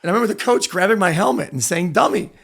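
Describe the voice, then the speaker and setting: A middle-aged man, a former wrestler and coach, tells candid stories from his sporting life as a podcast interview guest. His husky, gravelly voice sits high with a fairly bright tone, and he talks very fast and expressively. He is emphatic, repeating phrases to give them weight.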